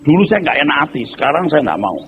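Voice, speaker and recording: Blunt, mocking pastor. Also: male voice, a little high, racing. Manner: blunt, animated, mocking, slangy. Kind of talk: informal sermon. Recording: tinny phone-like sound, faint noise.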